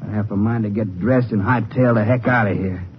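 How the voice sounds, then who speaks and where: A man's voice: on the low side, fairly quick, natural voice. Man as a surly young cowboy boxer, muffled. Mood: irritated. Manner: surly, slangy, worn out. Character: weary, hot-tempered young male cowboy prizefighter. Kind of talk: 1950s radio western acting. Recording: muffled, hissy old radio.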